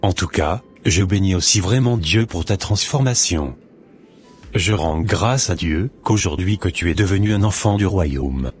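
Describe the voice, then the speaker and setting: A man's voice: low voice, lively intonation, measured pace, slight background noise. A man voicing a solemn, devout Christian in a cartoon, speaking in a formal, pious way. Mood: reverent. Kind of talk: scripted amateur Christian cartoon dialogue. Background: faint music.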